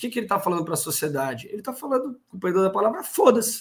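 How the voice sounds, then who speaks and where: Against a quiet background, a man speaks with very wide swings in pitch. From Brazil, São Paulo city (early childhood in southern Minas Gerais); São Paulo, Brazil. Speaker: youth wing leader of a political party; guest. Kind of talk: political interview.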